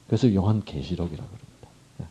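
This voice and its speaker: A male pastor preaching a sermon, constantly quizzing the congregation with questions and swinging from loud calls down to whispers, on a muffled recording. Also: low voice, expressive, fast talker, husky. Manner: call-and-response questions to the congregation.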